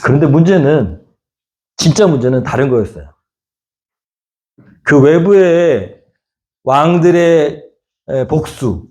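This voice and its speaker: A man's voice: on the high side, a little mellow. A middle-aged male pastor giving a Sunday sermon in a conversational way, often putting questions to the congregation.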